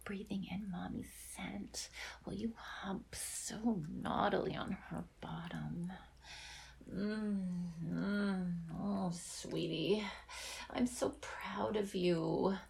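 A woman performing intimate adult audio roleplay, talking in a soft, breathy whisper with frequent sighs and murmured hums. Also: medium pitch, steady tone, slow pace.

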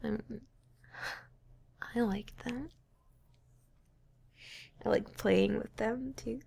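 Young woman, intimate roleplay, high voice with gravelly fry, breathy whispers close to the mic. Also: fairly even intonation, drawn-out words, dark tone. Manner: teasing, breathy, often whispering. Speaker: audio roleplay performer.

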